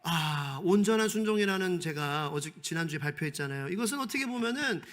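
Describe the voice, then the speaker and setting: A man's voice: on the high side, lively intonation, brisk, fairly bright tone. A male pastor preaching a sermon, emphatic, asking the congregation rhetorical questions and moving between formal and casual speech.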